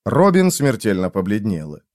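A man narrating an audiobook with an animated reading. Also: lowish voice, normal speed. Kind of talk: scripted narration.

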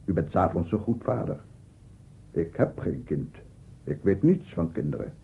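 Casting: obsessive scientist in his sixties, aggrieved and pedantic, very hoarse low voice, radio drama. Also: big pitch swings, normal speed, heavily acted. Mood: reproachful. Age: 60s. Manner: pedantic, insistent, repeats himself. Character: aggrieved, unstable 67-year-old bachelor scientist, self-justifying and obsessive. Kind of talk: radio play monologue. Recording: muffled, phone-like old radio recording.

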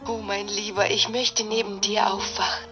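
An actress playing a sorrowful, romantic and evasive online sweetheart from Russia in a German radio drama, emotional and imploring. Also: female voice, mid-range voice, little pitch movement, normal speed, over music, lightly acted. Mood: tender, longing.

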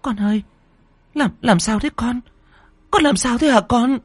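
A man doing a shrill fretful old village mother. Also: unhurried, slightly rough, dry recording, full character voice. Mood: worried. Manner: pleading, praying, high thin voice.

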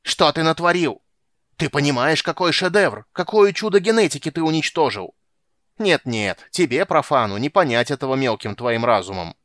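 A man voicing a cranky old male sorcerer who shouts and scolds in a shrill, petulant voice. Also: wildly swooping pitch, normal speed, no room sound, clean studio sound. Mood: ranting.

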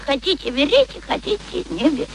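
A woman's voice: high-pitched, very animated, fast talker, gravelly, heavily acted. An actress playing a brash, touchy young flower girl in a theatrical radio play, whining and indignant. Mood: cocky. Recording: old radio recording, faint noise.

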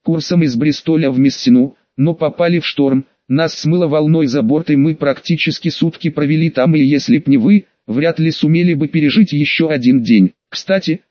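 Smooth, easygoing young man lying fluently, as a male narrator reads him, dull dry lo-fi sound. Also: on the high side, normal speed, hardly any pauses, dry recording, close to an everyday voice. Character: confident young man spinning a cover story.

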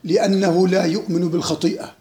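A man's voice: high voice, fairly even intonation, fast, dark tone, echoey room. A man giving an informal lecture, mocking and laughing often and quizzing his listeners. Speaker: lecturer leading a book discussion.

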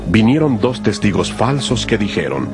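A man's voice: lowish voice, very animated, normal speed. A man narrating scripture from a script in a solemn style, as part of a dramatized audio Bible. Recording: music behind the voice.

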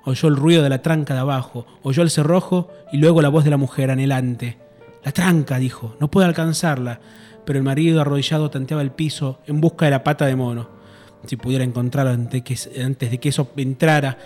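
A male radio host narrates a horror story with measured, suspenseful pacing. His voice sits at an everyday middle pitch, steady and deliberate. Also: soft background music. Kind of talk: dramatic reading of a horror story.

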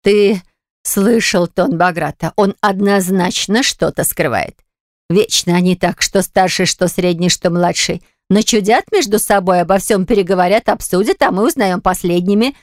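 A woman voicing an older mother and grandmother who nags and flares up quickly. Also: mid-range voice, no room sound, clean studio sound, natural voice. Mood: worried. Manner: emotional, scolding, nagging.

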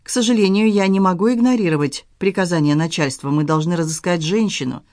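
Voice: medium pitch, fairly quick, darkish tone, no room sound, clean studio sound, close to an everyday voice. A reader voicing a dutiful male police officer who talks formally and a little apologetically in an audiobook. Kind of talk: audiobook dialogue reading.

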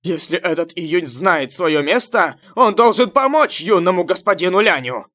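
A man voicing the fawning henchmen of a tribal leader in an audiobook, loud, exclamatory and emphatic. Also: medium pitch, moderate pace, no echo, natural voice. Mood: adoring, fervent. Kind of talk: audiobook character voice.

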